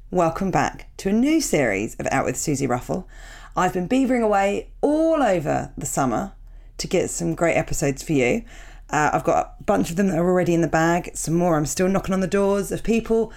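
Woman in her thirties, podcast host, low gravelly cold-ridden voice, rambling self-mocking chat. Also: a little mellow. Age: 30s. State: croaky with a cold. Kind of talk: chatty podcast intro, reading listener emails.

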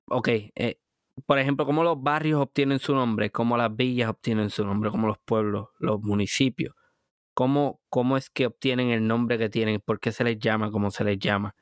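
A man's voice: medium pitch, smooth, no room sound, studio quality. A man with a Puerto Rican, Caribbean Spanish accent hosting a casual podcast monologue, emphatic and conversational as he speaks straight to the listener. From Puerto Rico. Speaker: podcast host.

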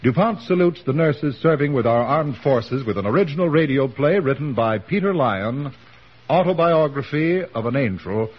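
A man's voice: mid-range voice, expressive, normal speed, slightly rough. A man announcing a 1940s radio drama in a stately, emphatic way, on a muffled old broadcast recording.

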